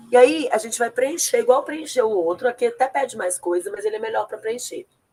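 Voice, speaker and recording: Very wide pitch swings in a fairly high-pitched woman's voice. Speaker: law teacher. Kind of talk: online class tutorial.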